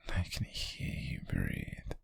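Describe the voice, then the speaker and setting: A British man playing an obsessive, menacing stalker in an ASMR roleplay, whispering in a teasing, possessively tender way with a breathy, gravelly voice. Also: no echo, close to an everyday voice. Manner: slow, lingering, teasing and menacing. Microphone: very close, dry microphone.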